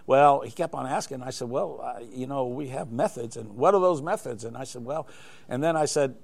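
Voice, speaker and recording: A man's voice: medium pitch, fairly quick, vocal fry, a little mellow. Rambling older male storyteller. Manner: rambling storyteller with many restarts. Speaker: interview guest, glider flight examiner. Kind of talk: live studio interview, telling anecdotes.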